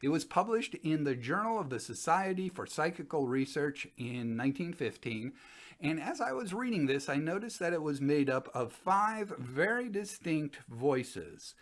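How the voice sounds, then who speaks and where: A man's voice: fairly high pitch, big pitch swings, normal speed. An older man, presenting and explaining casually to camera. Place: small room at home.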